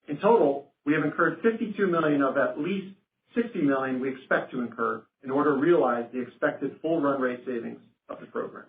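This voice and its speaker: On a company earnings call, a male finance executive presents formally, his medium-pitched voice running a little fast. The conference phone line sounds roomy and carries noticeable hiss.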